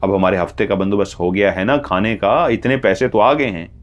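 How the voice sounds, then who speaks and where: Sly jinn spirit, male, high and pushy, boastful, begs when cornered; a man voices him. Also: brisk, lo-fi sound, close to an everyday voice. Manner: boastful, pleading when beaten.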